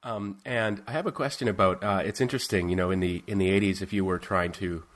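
Deep-voiced man hosting a podcast. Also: fairly even intonation. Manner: measured, with frequent ums. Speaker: podcast host. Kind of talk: interview hosting.

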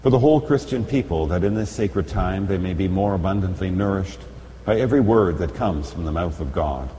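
A man, a priest celebrating Mass, reciting and chanting the liturgy in a solemn, measured way, heard with a cathedral echo. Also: low-pitched, mellow. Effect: cathedral echo with long reverb. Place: large church. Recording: echoey church hall with faint hum.

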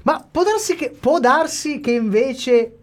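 A man's voice: extremely high pitch, lively intonation, a little hiss or hum. Playful Italian male radio host. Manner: playful, quick banter, repeats words. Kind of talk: casual chat, comic improvisation.

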